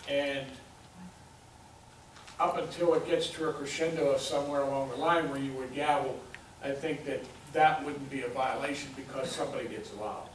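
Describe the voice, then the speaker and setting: A male council member reasons out his view in a measured way, pausing between thoughts. He is picked up from far off in a heavily echoing chamber. A clear hiss sits under the voice. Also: medium pitch, fairly even intonation. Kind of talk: meeting discussion.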